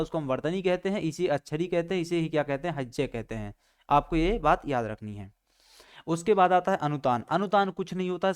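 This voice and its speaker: A man's voice: on the high side, smooth. Rhetorical, question-heavy male teacher. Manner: keeps asking rhetorical questions and answering them himself; repeats key points, with many pauses and fillers. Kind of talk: exam-prep lecture.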